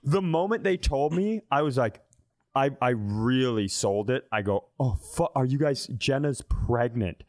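A man's voice: mid-range voice, lively intonation, unhurried, no echo, clean studio sound. A man co-hosting a comedy podcast, telling casual stories in an irreverent, profane way.

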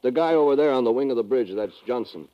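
A brisk, knowing naval officer played by a male radio actor, serving as a ship's first mate. He talks in slangy, matter-of-fact lines in a 1950s adventure drama, with the dull sound of an old broadcast. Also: mid-range voice, expressive, close to an everyday voice. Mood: easy, knowing.

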